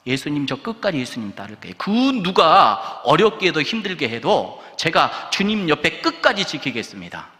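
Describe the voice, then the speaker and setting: A man's voice: a little high, very animated, normal speed, few pauses, bright, forceful tone, pitched above the performer's own voice. A man voicing an earnest male disciple who fervently pledges loyalty, in an echoey church hall.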